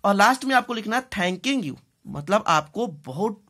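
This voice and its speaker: Slow-paced Indian woman teaching English. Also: medium pitch, expressive, a bit bright. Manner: deliberate, repeats phrases and checks in often. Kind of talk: bilingual classroom lesson, translating and spelling out words.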